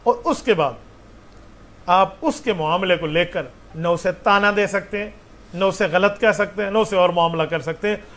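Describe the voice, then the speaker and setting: A man's voice: high voice, measured pace, a bit bright. A man, a mufti answering religious questions with patient explanations and rhetorical questions.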